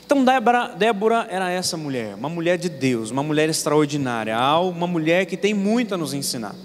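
High-voiced young pastor preaching in church. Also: male voice, big pitch swings, fairly quick, slight background noise. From Paraná, Brazil. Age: 20s. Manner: storytelling with rhetorical questions to the congregation. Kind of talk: sermon. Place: church sanctuary. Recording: long church reverb, faint room ambience.

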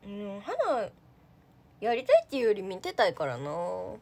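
A woman's voice: mid-range voice, wildly swooping pitch, moderate pace, creaky, darkish tone. A young woman, an idol trainee, chatting casually on a livestream, reading out viewer comments. She is talkative and giggly and uses a lot of fillers.

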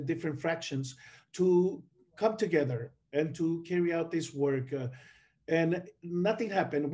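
A middle-aged man from the Dominican Republic speaks as a panelist in an online conference talk over a video call. He talks haltingly, with many fillers and restarts. His voice is a little high with a dark tone.

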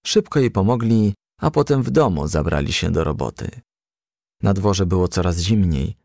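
A man narrates a children's storybook in a low, gravelly voice. The recording is dry and close, with no room around the scripted reading. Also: lively intonation, moderate pace, darkish tone, dry recording. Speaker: audiobook reader.

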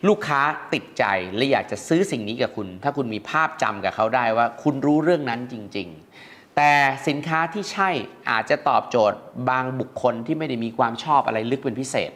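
A man's voice: mid-range voice, a bit bright. Chatty man explaining business tips. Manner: chatty, explaining point by point with polite particles. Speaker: host. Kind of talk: educational talk to viewers.

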